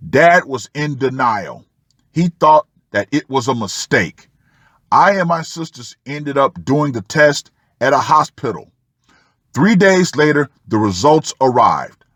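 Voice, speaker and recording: Male commentator, unhurried and dramatic, reading a written story with pauses; close, dry sound. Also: mid-range voice, lively intonation, a bit bright, husky, no room sound. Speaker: host of a commentary channel. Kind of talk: reading a personal post aloud with asides.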